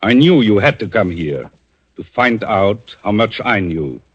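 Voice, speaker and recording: A man playing a calm, vengeful avenger in a 1940s radio drama, speaking in a measured, theatrical way on a dull old broadcast recording. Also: lowish voice, slightly rough, heavily acted. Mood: accusing.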